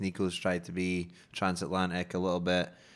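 In a Scottish accent, a man speaks at a moderate pace. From Scotland. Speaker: comedy podcast co-host. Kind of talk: casual comedic chat.

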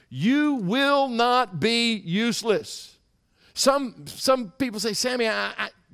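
In a very clean recording with a silent background, a man with a Southern US accent talks at an extremely high pitch with lively intonation. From US South, Louisiana. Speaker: evangelist. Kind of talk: sermon. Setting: church.

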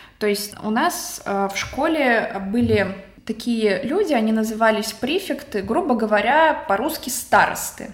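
A woman speaks fairly slowly with a fairly high pitch and lively intonation. Audible room echo and noticeable background noise surround her voice. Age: 20s. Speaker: university student. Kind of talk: interview.

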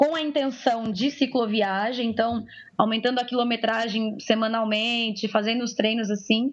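A woman with a fairly high pitch and an ordinary speaking voice talks at a fairly slow pace. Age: 30s. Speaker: personal trainer and cycle traveller. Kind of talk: interview.

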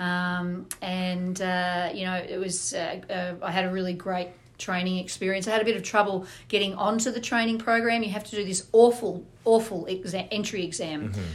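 A woman with an Australian accent speaks at a moderate pace, her medium-pitched voice keeping a fairly even intonation. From Australia, Sydney. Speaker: neurosurgery professor. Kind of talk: casual interview. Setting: conference venue.

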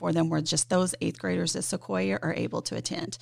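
The speaker has an American accent and vocal fry. The recording is very clean, with a silent background. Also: woman. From Oklahoma, small town near Sand Springs. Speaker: school district administrator. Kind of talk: casual interview chat.

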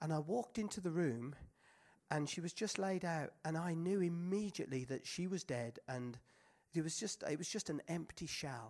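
In an English accent, the speaker goes at a moderate pace on a very clean recording with a silent background. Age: 50s. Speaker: pastor. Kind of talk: sermon. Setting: stage with audience.

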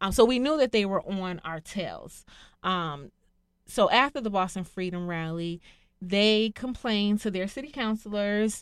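A woman's unremarkable speaking voice, medium in pitch, with an American accent, fairly slow and lively in intonation, on a very clean recording with a silent background. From Washington DC / Maryland area. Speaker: cannabis activist. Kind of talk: interview.

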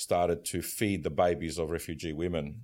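A man speaks with a very deep, low voice. The recording is very clean, with a silent background. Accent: Australian. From Greece, later Australia. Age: 50s. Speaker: former government media advisor, arts director. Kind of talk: panel discussion. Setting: stage with audience.

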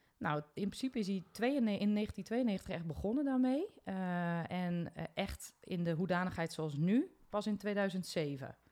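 Speaking at a very slow pace with hardly any pauses, a woman has a dark, mellow tone, a medium pitch and lively intonation. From Friesland, Netherlands (Oude Haske). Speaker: commercial director of family business. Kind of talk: interview.

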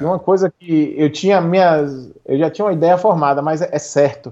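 A man speaks at a moderate pace in a dark, mellow tone. His pitch varies in an ordinary way. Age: 40s. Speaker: course student. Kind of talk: casual interview.

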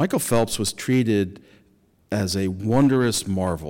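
Pitch varies in an ordinary way. The recording is very clean, with a silent background. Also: man. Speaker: moderator. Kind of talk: panel discussion. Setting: stage with audience. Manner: halting, many fillers.

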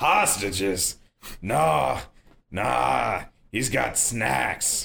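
A man puts on a character voice. It is raspy and fairly low in pitch. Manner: friendly, simple, chummy.

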